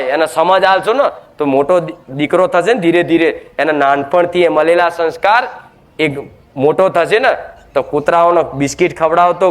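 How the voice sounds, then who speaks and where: A man preaching a devotional sermon, emphatic and scolding, full of rhetorical questions. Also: a little high.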